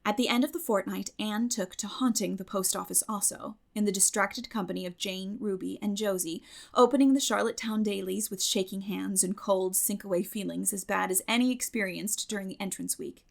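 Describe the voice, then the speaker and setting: A woman audiobook narrator reading literary fiction expressively, with measured storytelling phrasing. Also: medium pitch, steady tone, vocal fry.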